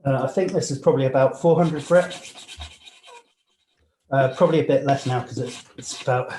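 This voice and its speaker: A young man from Nigeria talks through his jewellery work as he files and sands at the bench, relaxed and unhurried, with plenty of ums and restarts. His voice sits at an ordinary middle pitch. The small workshop is echoey, with a faint hiss and the clicks of tools behind him. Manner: relaxed, hesitant, many fillers, talks while working. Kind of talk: live demonstration with interview answers.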